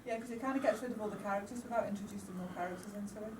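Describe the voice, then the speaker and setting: A woman's voice: mid-range voice, rapid-fire, a crowd in the background. A woman brainstorming casually as a participant in a group workshop. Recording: distant mic, loud room noise.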